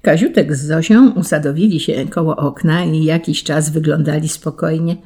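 A storybook narrator reading an old children's tale, gentle and expressive in the telling. The voice is dark and mellow, with a husky, breathy edge. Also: mid-range voice, moderate pace.

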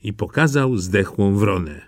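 A man narrating a fairy tale for an audiobook, very expressive and animated. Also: unhurried, no echo, studio quality. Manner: highly expressive, animated storytelling.

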